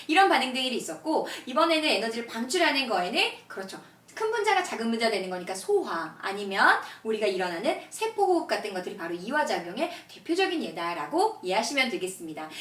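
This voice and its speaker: High-pitched, fast-talking woman teacher in echoey room. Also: fairly bright tone. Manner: encouraging, explanatory, poses questions and answers them herself. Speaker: science teacher presenting an online lesson. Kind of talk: scripted-outline lecture addressed to students. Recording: roomy echo, voice distant from mic.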